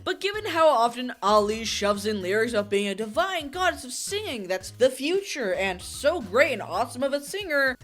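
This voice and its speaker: Wry, slightly high-voiced female commentator. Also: fairly bright tone. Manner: sarcastic, wry asides. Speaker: video essay commentator. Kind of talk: scripted commentary voice-over.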